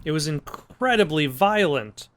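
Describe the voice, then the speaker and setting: A man's voice: a little high, lively intonation, unhurried, fairly bright tone. A man hosting a let's play with casual gameplay commentary, musing aloud and joking dryly.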